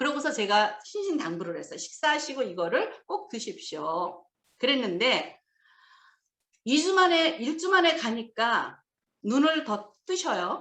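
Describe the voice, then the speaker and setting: A woman speaks at a fairly slow pace in a high, bright, sharp tone. Her pitch swings very widely. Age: 60s. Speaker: network marketing leader. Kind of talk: motivational talk. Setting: video call.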